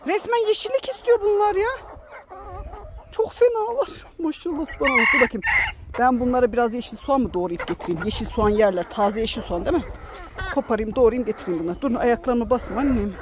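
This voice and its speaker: A woman's voice: fairly high pitch, animated, fast, background noise. A woman vlogger and chicken keeper, chatting casually to her hens and her viewers outdoors in a garden, exclamatory and affectionate. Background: hens clucking nearby.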